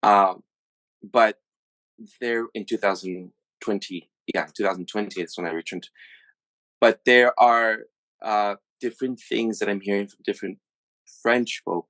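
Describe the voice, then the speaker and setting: A man from the USA hosting a podcast, talking through his thoughts in a halting, casual way with many restarts. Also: lowish voice, fairly even intonation, fairly bright tone, dry recording, rough recording. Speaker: podcast host. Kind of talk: casual reflective monologue.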